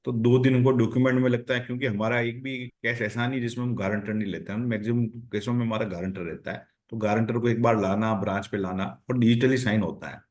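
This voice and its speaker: A man's voice: mid-range voice, steady tone, fast talker, hardly any pauses, darkish tone. A man with an Indian accent answering as a company executive on an earnings call, explaining step by step and repeating phrases for emphasis.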